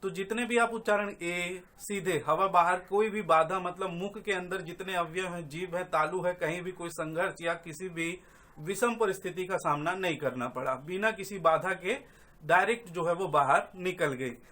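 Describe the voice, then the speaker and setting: High-voiced man teaching a grammar class. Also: bright, forceful tone. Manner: repeats key terms, asks and answers his own questions, drawn-out sound demonstrations. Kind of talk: online classroom lecture.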